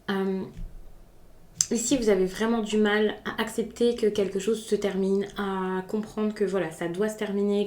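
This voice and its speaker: A woman's voice: medium pitch, a little mellow, echoey room. A woman giving a spontaneous, chatty tarot reading, with many hesitations and restarts. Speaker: tarot reader.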